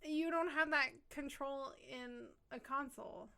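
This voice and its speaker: Hoarse lady podcaster, swears a lot, bright crackly voice. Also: high voice, a little slow. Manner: profane, animated, ranting. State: hoarse from a sinus infection. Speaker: podcast co-host. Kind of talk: casual gaming chat.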